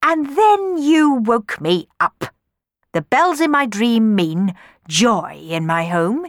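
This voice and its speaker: In a put-on character voice, the speaker goes at a very slow pace with very wide pitch swings, in a dry, close sound with no echo. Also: woman, fairly high pitch for a woman. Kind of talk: storybook read-aloud. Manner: pompous, self-important.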